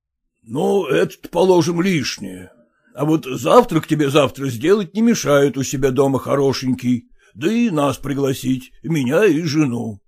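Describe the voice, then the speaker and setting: A man voicing a stern, bossy older man who lectures and scolds his son-in-law in a slow, drawn-out way. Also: mid-range voice, expressive, creaky, darkish tone, breathy edge. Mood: lecturing.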